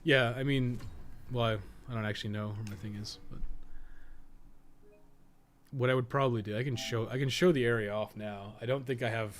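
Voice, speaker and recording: A man's voice: medium pitch, fairly even intonation, fairly quick, long pauses, slight background noise. A man doing casual livestream commentary on a video game, rambling and muttering his thoughts aloud as he plays. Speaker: host of a game guide livestream.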